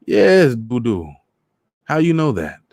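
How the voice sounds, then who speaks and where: A man's voice: mid-range voice, huge pitch swings, takes it slowly, creaky, a little mellow, dry recording, clean studio sound, voice pushed up, full character voice. A man voicing a lonely, cheerful old man from Trinidad, speaking in a lilting island dialect with a Trinidadian accent. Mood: delighted.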